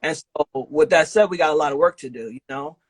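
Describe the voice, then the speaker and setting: A man's voice: fairly high pitch, brisk, breathy edge. A man hosting a podcast interview in a casual, slangy, affirming way with some swearing. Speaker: podcast host and festival organizer.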